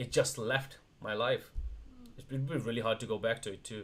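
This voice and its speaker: A man's somewhat breathy, medium-pitched voice at a moderate pace with ordinary pitch variation. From India. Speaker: wrestling livestream host. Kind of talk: casual chat. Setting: livestream.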